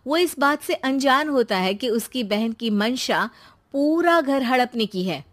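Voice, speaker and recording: A woman narrating a cartoon story in a plain, steady storytelling voice. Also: high voice, unhurried.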